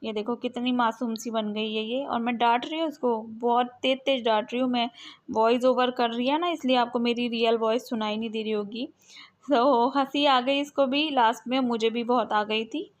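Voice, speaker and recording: A fairly high-voiced woman in her thirties talks through her day as a home vlog voice-over. She chats easily and conversationally, often checking in with the listener with little tag questions. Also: steady tone, normal speed. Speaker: vlogger and mother.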